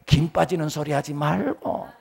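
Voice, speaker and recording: Middle-aged man, pastor; high, lively, gravelly voice; dramatic sermon with acted-out quotes. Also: moderate pace. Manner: preaching with big swings between loud emphasis and hushed low lines; acts out quoted voices in dialogue.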